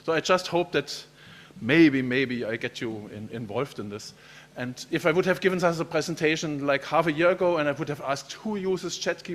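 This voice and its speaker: A man's voice: fairly high pitch, a little hiss or hum. A man, a professor giving a keynote lecture in a friendly, chatty way, often repeating words as he speaks. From Germany.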